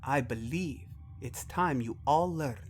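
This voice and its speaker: A man voicing a calm, wise alien mentor in an audio drama, speaking gently, formally and deliberately. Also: mid-range voice, soft background music, lightly acted. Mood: gently firm.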